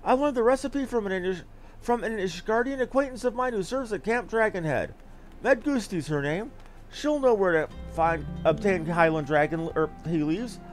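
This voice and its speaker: Man putting on a high-pitched, fussy little lady. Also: animated, moderate pace, soft background music. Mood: confident. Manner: fussy, gushing, exclaiming. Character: small, flustered, chatty, bossy young lady. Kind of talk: reading game dialogue aloud.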